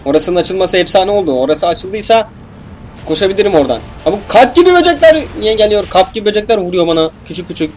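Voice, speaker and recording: Excitable young man joking over gameplay. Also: high voice, fast, soft background music. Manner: joking, swearing, excitable, talks to the game. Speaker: gameplay commentator. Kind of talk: casual let's play commentary.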